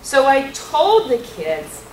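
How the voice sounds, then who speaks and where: A woman on a workshop panel telling how she runs a math circle, with a loud voice and a lively, animated storytelling manner. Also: high voice, takes it slowly. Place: workshop room. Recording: roomy hall sound from a distant mic, noisy.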